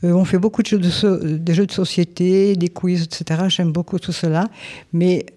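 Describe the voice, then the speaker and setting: An older woman living in a nursing home, answering interview questions gently with many pauses and fillers. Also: on the low side, steady tone.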